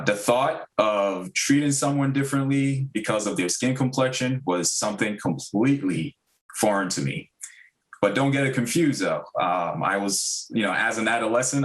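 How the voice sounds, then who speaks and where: A man's voice: fairly low pitch, fairly bright tone. A man in his thirties from Ghana, giving earnest prepared remarks at a public school meeting with frequent fillers. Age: 30s. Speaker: district diversity director.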